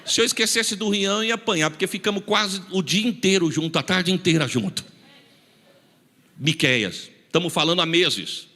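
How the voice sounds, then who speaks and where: A male pastor, preaching an animated, humorous storytelling sermon and acting out dialogue, recorded in a reverberant church hall. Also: high-pitched, moderate pace. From São Paulo state, Brazil. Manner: animated, acts out dialogue, rising to emphatic shouts.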